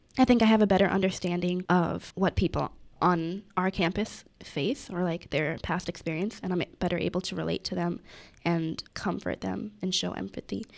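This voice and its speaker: This woman has a fairly low pitch with vocal fry and ordinary pitch variation, speaking at a moderate pace. The recording is very clean, with a silent background. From New York, Westchester (Mount Vernon). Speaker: college student. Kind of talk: casual chat.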